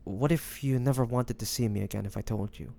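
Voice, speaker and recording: A man playing a devoted, nervous young man in love with his best friend, speaking softly and hesitantly in an intimate romantic audio roleplay. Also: medium pitch, fairly quick, close to an everyday voice. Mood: earnest, confessional. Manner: hesitant, stammering, breathy sighs.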